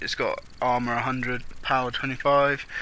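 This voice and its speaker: A man with an English accent speaks at a fairly high pitch in a bright, sharp tone. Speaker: gamer. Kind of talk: casual gameplay commentary. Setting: low-quality home mic.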